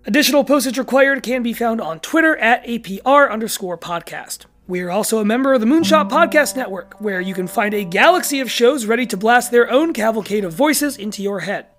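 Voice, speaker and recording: A man's voice: very high voice, lively intonation, a little fast, hardly any pauses, a bit bright, faint music behind. A man reading scripted closing credits as a podcast announcer. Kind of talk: scripted narration.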